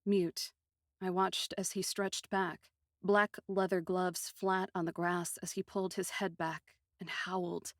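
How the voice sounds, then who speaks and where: A woman narrating a first-person fantasy story in an expressive, literary manner with deliberate phrasing. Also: lowish voice, dry recording, clean studio sound.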